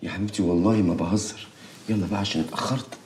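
An actor with an Egyptian accent playing a playful, evasive young husband who jokes. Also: male voice, low voice, fairly even intonation, racing, very noisy, lightly acted. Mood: teasing. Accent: Egyptian Arabic. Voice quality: joking, playful. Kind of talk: TV drama acting. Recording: roomy echo.

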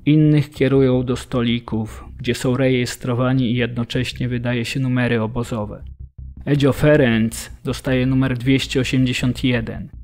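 An actor playing a prisoner, giving a factual, unemotional account in a radio drama. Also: male voice, mid-range voice, level tone, normal speed, darkish tone, natural voice. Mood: factual recollection. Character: matter-of-fact male camp prisoner recalling registration. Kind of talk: radio drama memoir narration.

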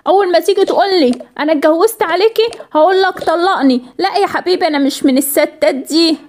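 A woman with an Egyptian Arabic accent voicing a fierce, betrayed wife and mother in a doll cartoon, scolding her husband with indignant accusations. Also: very high voice. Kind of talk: storytelling doll cartoon voiceover.

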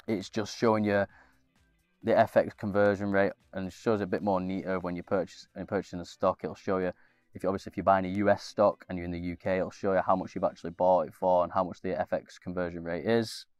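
A man's voice: low-pitched, little pitch movement, quick pace, a little mellow, smooth, faint music behind. A young man with a slightly nasal voice from a cold, casually walking viewers through an app on screen with many fillers and restarts. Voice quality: a bit nasal. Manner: rambling, lots of fillers and restarts. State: congested with a cold. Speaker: investing channel host. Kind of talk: casual screen-share walkthrough.

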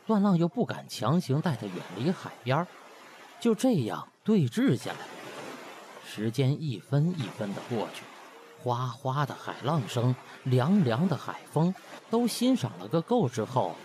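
A man's voice: medium pitch, a little mellow, slight background noise. A man narrating a comic web-novel audiobook in a colloquial, dramatic storytelling style.

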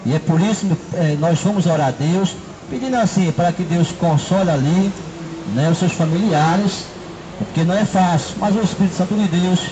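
A man's voice: high-pitched, normal speed, noisy background. A middle-aged man, preaching an open-air sermon into a handheld microphone in a city square, often adding "né" and "não é" between his phrases. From Brazil. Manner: repetitive, fills with "né" and "não é". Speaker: street preacher. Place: city park square, outdoors.

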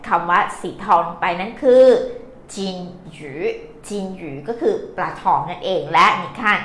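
A woman's voice: fairly low pitch, moderate pace, fairly bright tone. A woman teaching vocabulary live, patiently explaining character strokes and quizzing her viewers. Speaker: Chinese language teacher. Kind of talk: live-streamed vocabulary lesson. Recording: echoey room, faint noise.

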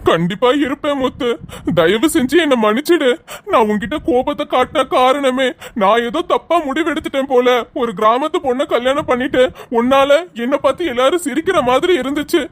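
A woman's voice: sits high, brisk, lightly acted. A woman voicing an apologetic, tender young husband in a cartoon. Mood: remorseful. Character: young husband, remorseful and affectionate. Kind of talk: cartoon voice acting.

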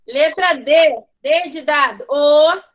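High-voiced woman coaxing young pupils. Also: measured pace, a bit bright. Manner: coaxing, prompting pupils by name. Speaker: first-grade teacher. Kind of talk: online class with young children. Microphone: video call. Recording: dull lo-fi video call audio.

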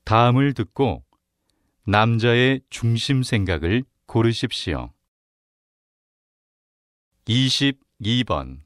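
A man reading the question numbers and his part of a listening-test dialogue, slowly and with careful enunciation. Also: medium pitch, expressive, no room sound. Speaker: narrator and dialogue reader on a Korean listening exam. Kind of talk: scripted exam narration and dialogue.

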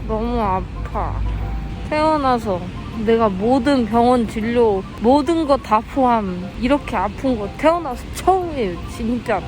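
A woman's voice: a little high, lively intonation, measured pace, music in the background. A woman vlogging casually, whining and laughing at herself as she complains. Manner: whiny and self-mocking, laughing through complaints. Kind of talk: casual vlog chat. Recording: noisy street background.

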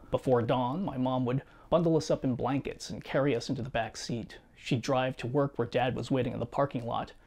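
A man in his thirties reading a scripted personal video essay in a measured, reflective way, seated in a small home studio. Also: medium pitch. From United States. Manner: measured, reflective storytelling with quiet asides. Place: small home studio room with guitars and shelves.

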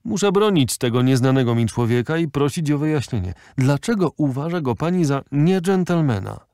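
A man reading an audiobook, voicing a polite, eager gentleman captain who speaks up brightly. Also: a little high, animated, brisk, no echo, clean studio sound, pitched above the performer's own voice. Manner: courteous, eager, exclaiming.

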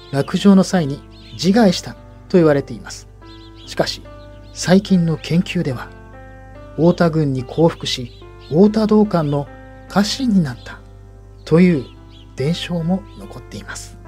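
Casting: male narrator for a legend, fairly high voice, solemn dramatic scripted delivery, soft music behind.

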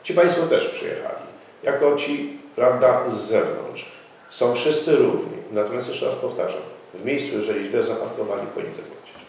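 A man's voice: mid-range voice, a little mellow, slight background noise. A middle-aged man at a press conference, speaking formally and insistently, with frequent hesitations. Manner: formal, insistent, halting with fillers. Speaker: local party representative. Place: office room, indoors. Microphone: far camera mic. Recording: echoey room, voice from far off.

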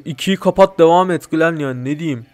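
A man doing let's play commentary, joking and bursting into loud mock-angry swearing. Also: a little high, a little fast, soft background music. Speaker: gameplay commentator.

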